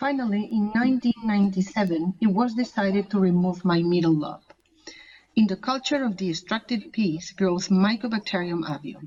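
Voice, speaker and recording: A somewhat breathy woman's voice at medium pitch, with ordinary pitch variation and a moderate pace. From Spain. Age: 70s. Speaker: retired doctor and patient. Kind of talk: conference talk. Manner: formal.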